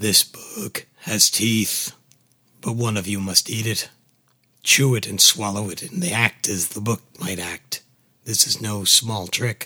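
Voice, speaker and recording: A put-on character voice from a man, hoarse and raspy, fairly low in pitch, at a fairly slow pace. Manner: dramatic, ominous.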